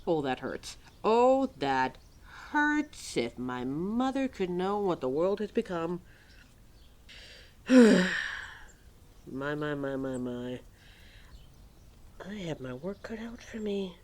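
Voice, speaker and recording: Low-voiced, slow, quirky lore keeper played by a woman. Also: big pitch swings, a little mellow. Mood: exasperated, dismayed. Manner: chatty, wry, halting with musing asides. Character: quirky, exasperated, motherly female keeper of forgotten lore. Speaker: voice actor in audio roleplay. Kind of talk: ad-libbed ASMR-style roleplay, talking to a listener.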